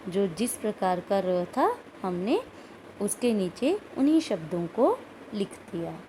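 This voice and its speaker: A woman's voice: mid-range voice, sing-song, unhurried, mellow, slight background noise, poor audio. A woman teaching a recorded school Hindi lesson, explaining step by step and repeating words and sounds aloud. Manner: asks questions of pupils, adds "ठीक है" often.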